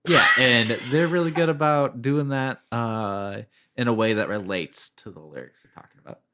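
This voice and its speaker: A man's voice: mid-range voice, moderate pace, sharp tone. A man co-hosting a podcast, talking casually about music. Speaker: podcast co-host.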